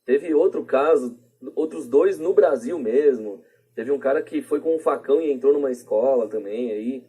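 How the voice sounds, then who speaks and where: A Brazilian man appears as a podcast guest, casually sharing his opinions in a rambling, colloquial way full of tag questions. His mid-range voice is mellow and husky and moves at a normal speed. It's a plain podcast voice recording, though the audio is rough.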